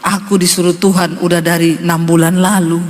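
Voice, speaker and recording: A woman preacher voicing her careful, thrifty husband with a low, hesitant, plain-spoken delivery. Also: flat delivery, brisk, close to an everyday voice. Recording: reverberant church hall, faint noise.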